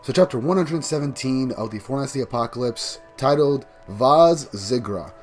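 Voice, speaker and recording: A man fighting off a cold talks through a manga chapter, his voice a bit groggy and tired. He rambles eagerly and restarts his sentences as he goes. His pitch sits in the middle, and soft music plays quietly underneath. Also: expressive, moderate pace. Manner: enthusiastic, rambling recap with restarts. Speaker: manga review YouTuber. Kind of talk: casual manga chapter review.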